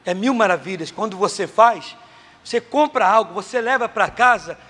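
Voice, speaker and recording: A man's voice: high voice, normal speed, pushed and bright. A man with a Brazilian accent preaching a sermon in a church, emphatic and repetitive, acting out little dialogues. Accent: Brazilian Portuguese. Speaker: pastor. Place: large church hall. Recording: long church hall reverb.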